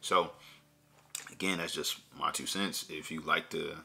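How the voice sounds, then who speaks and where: A man's voice: very deep voice, steady tone, measured pace, creaky, bright, forceful tone, husky. A young man hosting a bowling channel, chatting casually at home with a laid-back, rambling manner and many fillers. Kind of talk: casual review chat. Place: home room with shelves, indoors.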